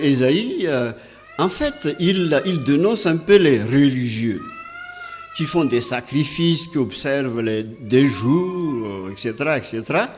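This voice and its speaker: A pastor from Madagascar preaching a sermon, stressing key words with sharp rises and often hesitating and repeating himself. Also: male voice, medium pitch.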